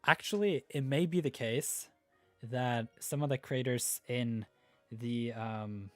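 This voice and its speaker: A man's voice: medium pitch, slow pace, darkish tone, dry recording, soft background music. A man from Norway with a Norwegian accent, hosting a gaming livestream in laid-back, rambling chat while reading viewer comments. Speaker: livestream host.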